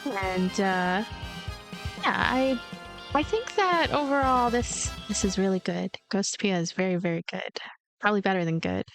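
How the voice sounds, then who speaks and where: A woman reading a visual novel aloud and adding her own gentle commentary. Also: medium pitch, expressive, normal speed. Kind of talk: voiced game narration and commentary. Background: game music.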